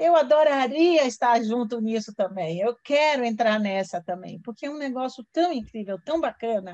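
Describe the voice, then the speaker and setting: The intonation is lively and the pace moderate. There are hardly any pauses. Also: woman, fairly high pitch for a woman. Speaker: podcast host. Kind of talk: interview.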